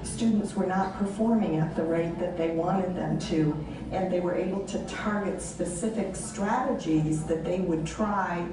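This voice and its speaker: A woman narrating a training video in a measured, explanatory way. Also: lowish voice, crowd noise. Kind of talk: scripted narration. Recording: echoey video played in a room from far off.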